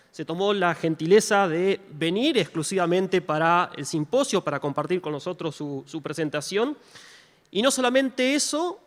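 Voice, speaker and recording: A man moderating a conference session, introducing a speaker courteously and formally, with frequent restarts. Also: high-pitched. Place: conference hall. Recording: long reverb of a large hall.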